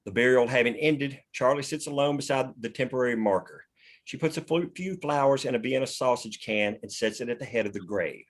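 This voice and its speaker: A man's voice: medium pitch, lively intonation, a little fast. A man narrating the stage directions of a screenplay at a table read.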